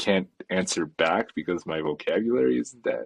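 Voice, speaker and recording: The man's pitch is very deep and low, with vocal fry. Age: 20s. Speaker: pro basketball player. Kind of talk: casual chat. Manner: laid-back, hesitant.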